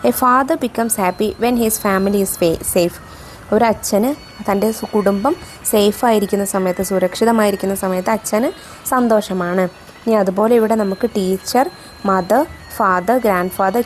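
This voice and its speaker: A woman's voice: medium pitch, darkish tone, slight background noise. Malayali woman teacher explaining lessons. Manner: reads English slowly then explains in Malayalam. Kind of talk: explaining textbook activities.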